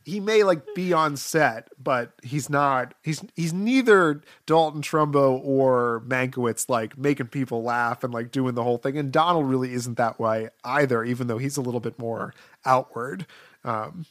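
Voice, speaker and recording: A man's voice: medium pitch, moderate pace, fairly bright tone, no room sound, studio quality. A man co-hosting a podcast, talking casually about films in a conversational, hedging way with lots of filler "like". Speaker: podcast co-host discussing films. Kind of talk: casual film discussion.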